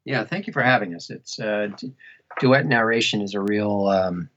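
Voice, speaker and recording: Halting, jokey man on slightly dull audio. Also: lowish voice, fairly bright tone, slight background noise. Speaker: podcast guest, audiobook narrator. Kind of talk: casual chat.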